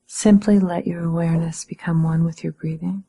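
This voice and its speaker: Calm and measured, this woman meditation teacher offers guided instruction with soft pauses throughout. Her voice sits on the low side and comes across as breathy and a bit husky.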